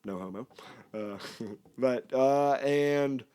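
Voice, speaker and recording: A man's voice: mid-range voice, warm tone, clear, resonant tone. Guy in his 30s hosting a podcast, rambly storyteller, jokes on himself a lot. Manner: rambling storyteller, self-mocking, quick to laugh. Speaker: podcast host. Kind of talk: casual chat.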